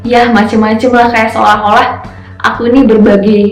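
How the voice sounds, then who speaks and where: A young woman in her twenties gives an earnest interview testimonial about motherhood and her work. Her voice carries a roomy echo, and soft music plays underneath. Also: a little high, flat delivery, moderate pace. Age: 20s. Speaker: teacher and mother.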